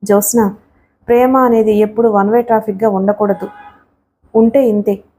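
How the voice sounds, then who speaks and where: A woman voicing a playful, caring young female student who coaxes her friend with gentle banter. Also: mid-range voice, steady tone, moderate pace, lightly acted. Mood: coaxing.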